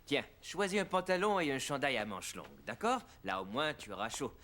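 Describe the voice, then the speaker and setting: An actor playing a patient, playful young father in a children's cartoon, gently teasing. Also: mid-range voice, sing-song, fairly quick, a little hiss or hum.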